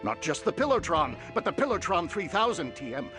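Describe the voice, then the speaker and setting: A power-mad uncle whose mind now lives inside a factory computer. He declaims grandly in a high voice that swoops wildly up and down, like a cackling game villain. Game music plays behind him. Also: very animated, fairly quick, fairly bright tone. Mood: gloating. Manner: grandiose, booming villain taunts. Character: megalomaniac uncle uploaded into a computer. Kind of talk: video game voice acting.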